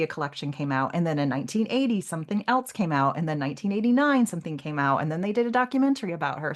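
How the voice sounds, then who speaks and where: A woman co-hosting a podcast, talking casually about literature in a rambling way with acted-out asides. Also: on the low side. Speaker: podcast co-host.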